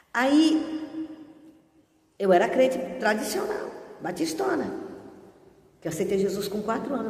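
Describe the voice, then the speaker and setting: A woman's voice: mid-range voice, a little mellow. A woman pastor preaching a sermon, praying fervently with repeated rebukes and telling a testimony with many restarts. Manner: fervent, repetitive rebuking prayer. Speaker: pastor and missionary. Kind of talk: sermon with deliverance prayer. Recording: echoey hall with long reverb.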